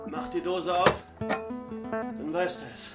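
An actor playing a feverish, weary father in a radio drama, speaking tersely in a low-key murmur. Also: little pitch movement, slow pace, over loud music. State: sick with fever, weak. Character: feverish, weary father in a snowbound log cabin. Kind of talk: naturalistic radio drama acting.

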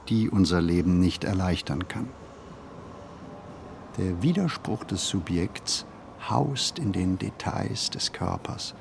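A male actor playing a brooding, observant city wanderer in a literary radio play, speaking in measured, deliberate phrases. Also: sits low, vocal fry, darkish tone, a little hiss or hum, heavily acted. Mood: brooding, grave. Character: brooding, observant male city flaneur narrating his thoughts.

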